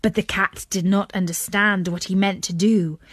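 A woman narrating a children's story in an expressive, dramatic storytelling manner. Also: medium pitch, normal speed, no room sound, studio quality.

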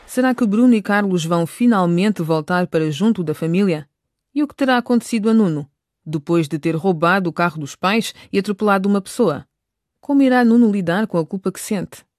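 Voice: mid-range voice, fairly quick, no room sound, studio quality. A narrator presenting a scripted radio drama and recapping the story.

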